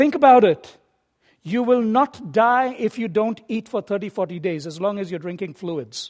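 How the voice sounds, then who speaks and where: Heard in a dry, close recording with no echo, a man with a high voice talks at a moderate pace with lively intonation. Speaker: pastor. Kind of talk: sermon. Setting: church with congregation. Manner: earnest, candid, teacherly; direct, exhorting the congregation.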